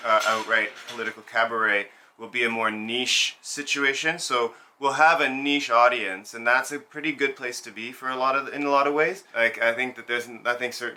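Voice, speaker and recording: A man's voice: mid-range voice, sharp tone, recorded from a distance. A man born in Zambia who works as a burlesque and cabaret performer, speaking reflectively in a documentary interview and often restarting his sentences as he searches for words.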